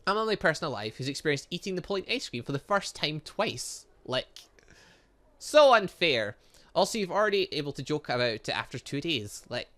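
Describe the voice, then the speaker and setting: A man hosting a gaming video, reading visual novel dialogue aloud with casual asides, stumbling over words and correcting himself. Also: on the high side. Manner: animated, exclaims and reacts playfully.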